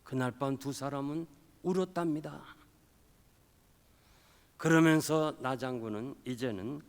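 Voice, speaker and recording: A male pastor preaching a revival sermon, telling a story and acting out the quoted voices, swinging between loud and soft. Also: mid-range voice, measured pace, clean tone. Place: church sanctuary. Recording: long hall reverb.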